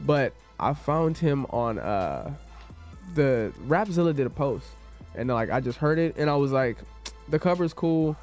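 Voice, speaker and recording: A man's voice: medium pitch, lively intonation, a little slow, darkish tone, faint music behind. A young man chatting as a guest, retelling events by quoting himself and laughing often. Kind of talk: casual interview chat.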